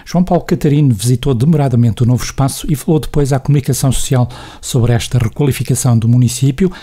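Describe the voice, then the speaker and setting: A man reading a scripted news voice-over in a brisk, measured way. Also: medium pitch, dark tone. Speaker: news narrator.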